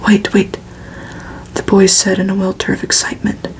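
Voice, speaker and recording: A woman reading a gothic novel aloud for ASMR in a breathy, unvoiced whisper, hushed and deliberate, with pauses between phrases. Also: mid-range voice, completely flat delivery. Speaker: ASMR reader.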